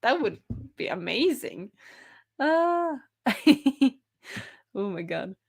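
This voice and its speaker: A woman's voice: on the high side, sing-song, drawn-out words, vocal fry, slightly rough. A young woman hosting a writing live stream, reading chat comments aloud in a cheerful, giggly way.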